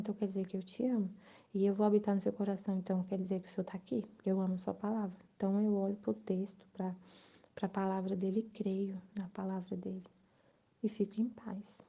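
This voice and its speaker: A woman sharing an earnest, emotional spiritual testimony, sometimes dropping to a soft near-whisper. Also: mid-range voice. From Brazil. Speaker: Catholic channel presenter.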